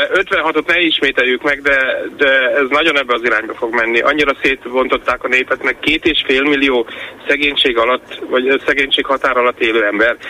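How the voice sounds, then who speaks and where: Against noticeable background noise, the voice keeps fairly even intonation and very even loudness. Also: man, medium pitch for a man, fairly quick pace. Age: 50s. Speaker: caller. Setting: phone call.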